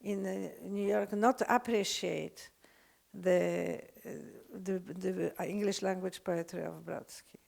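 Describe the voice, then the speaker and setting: An older woman with a Polish accent, lecturing unscripted, halting often with fillers and restarts. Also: fairly low pitch, steady tone, creaky, a little mellow. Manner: hesitant, many fillers and restarts.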